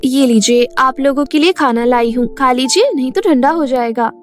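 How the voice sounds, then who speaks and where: A woman's voice: high-pitched, normal speed, natural voice. A woman voicing a meek, mistreated young servant girl with a plaintive, pleading manner in a storybook tale. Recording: music behind the voice.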